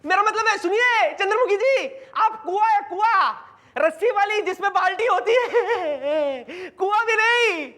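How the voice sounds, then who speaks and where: A melodramatic, scheming officer pleads and flatters far beyond reason. His voice rides high and theatrical, in sitcom style. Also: a little slow, heavily acted. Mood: flattering. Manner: over-the-top pleading and flattery. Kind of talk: sitcom acting.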